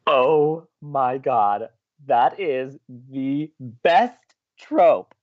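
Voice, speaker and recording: An actor playing a gleeful, teasing young college radio co-host, bantering with dramatic emphasis. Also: male voice, a little high, expressive, very slow, highs cut off, heavily acted. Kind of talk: bantering audio drama dialogue.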